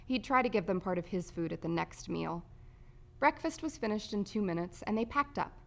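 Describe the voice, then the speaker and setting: A woman's voice: medium pitch, lively intonation, fairly quick, creaky. A woman working as a voice-over artist, reading scripted narration.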